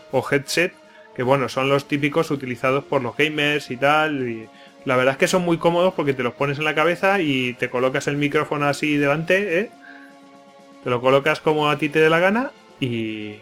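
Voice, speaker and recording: A man talks through a casual tutorial, chatty and loose, full of fillers and self-corrections. His voice sits at an ordinary middle pitch, close on a dynamic stand microphone, with faint music underneath. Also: a bit bright. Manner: chatty, many fillers and restarts. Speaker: podcast host explaining microphones. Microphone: dynamic studio microphone on a stand.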